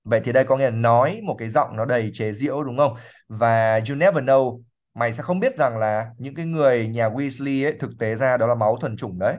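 A man explaining English words during a livestream reading lesson. He repeats words slowly and thinks aloud with fillers. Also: mid-range voice. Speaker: English teacher.

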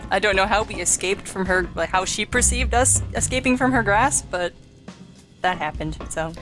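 A woman's voice: medium pitch, moderate pace, fairly bright tone, faint music behind. A woman hosting a casual video game commentary in a joking, sarcastic manner. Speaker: Let's Play host.

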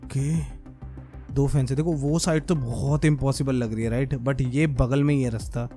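A young man commenting on his own gameplay as a gaming creator, muttering as he works and then bursting into excited shouts. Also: mid-range voice, moderate pace, faint music behind. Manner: talks to himself and viewers, swings from muttering to excited shouts. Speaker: gaming YouTuber.

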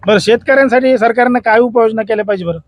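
A man interviewing villagers on the street and asking brisk, prompting questions. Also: very high-pitched, no room sound.

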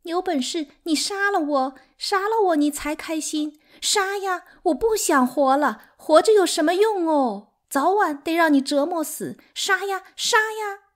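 A woman voicing a hysterical, defiant younger concubine in an audiobook, shrill and wailing with grievance. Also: lively intonation, a little slow. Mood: hysterical, daring. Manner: wailing, taunting. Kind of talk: dramatic audiobook character acting.

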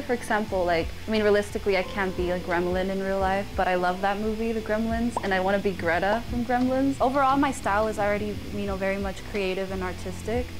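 A young woman gives casual, explanatory answers on a studio dating show. Her pitch is average, and music is clearly heard behind her. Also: rough recording. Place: white studio.

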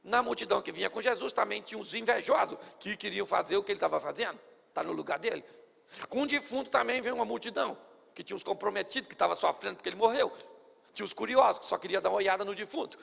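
A man's voice: high-pitched, very fast, gravelly, a bit bright, slightly rough, in a large hall. A male pastor preaching a sermon at a church service, theatrical and playful.

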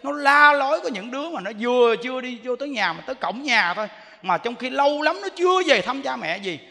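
A man, a Buddhist monk giving an animated sermon, repeating himself and speaking straight to his listeners. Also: extremely high pitch, brisk. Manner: animated, repetitive, addresses listeners directly. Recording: long reverb of a hall.

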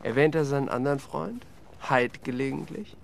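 An actor playing a worldly younger bachelor gentleman, breezy and genteel, in a German radio play. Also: medium pitch, lively intonation, moderate pace, vocal fry, slight background noise. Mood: curious, courteous. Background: music.

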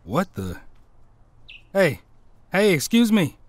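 A man's voice: sits high, wildly swooping pitch, takes it slowly, exaggerated voice. A man playing an easygoing, cocky teenage boy hero in an audio drama, with a reverberant sound. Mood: puzzled.

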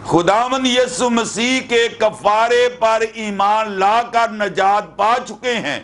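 A middle-aged male pastor preaches a fervent sermon, repeating hallelujahs, in a high, fairly bright voice. He's on a headset mic inside a room with curtains.

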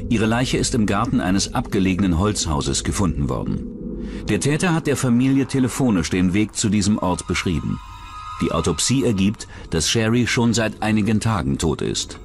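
A man's voice: fairly low pitch, big pitch swings, moderate pace, soft background music. A man narrating a true-crime documentary from a script.

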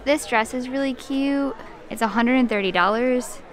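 A woman's voice: high-pitched, moderate pace, faint music behind, a faint crowd. A woman in her thirties, hosting a casual travel vlog with upbeat enthusiasm, filmed on a handheld camera indoors on a cruise ship. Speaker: vlog host. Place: cruise ship dining room, shops and theater, indoors. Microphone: handheld camera at arm's length.

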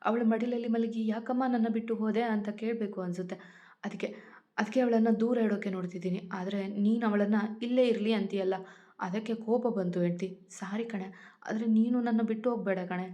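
A woman's voice: mid-range voice, steady tone, a little fast, mellow, lo-fi sound, close to an everyday voice. A woman voicing a loving, emotional young husband who pleads through tears. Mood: pleading, tearful. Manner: pleading, tearful tenderness.

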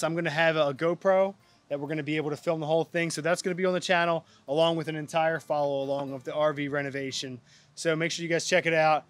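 A man in his thirties chatting casually as a guest, easygoing and rambling a little, filmed outdoors. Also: on the high side. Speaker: guest, host's brother. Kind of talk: casual chat. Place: outdoors in a yard.

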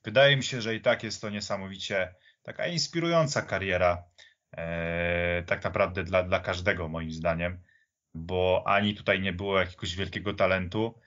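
A man talking reflectively and haltingly about sport in a conversational podcast style. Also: low-pitched, fairly bright tone, muffled recording. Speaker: podcast speaker.

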